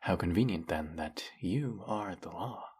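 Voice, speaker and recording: A man playing a flirty, fanatically devoted demon familiar in a dramatic audio roleplay, with fawning, formal diction and a breathy, husky voice. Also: sits low, animated, unhurried, a little mellow, exaggerated voice. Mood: dutiful, menacing. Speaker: voice actor. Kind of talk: dramatic roleplay monologue spoken to the listener.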